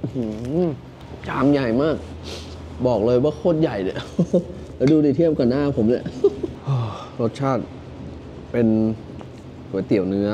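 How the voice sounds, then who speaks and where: A Thai man talking casually to camera in a travel vlog, chatty and quick to exclaim and laugh, filmed in a small noodle shop and on a road through the mountains. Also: mid-range voice, lively intonation, dark tone, dull audio, slight background noise. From Thailand. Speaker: travel vlogger.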